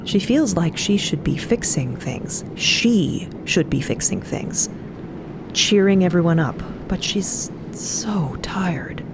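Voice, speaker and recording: A woman's voice: fairly low pitch, background noise. A woman narrating a scripted audio drama as a storyteller.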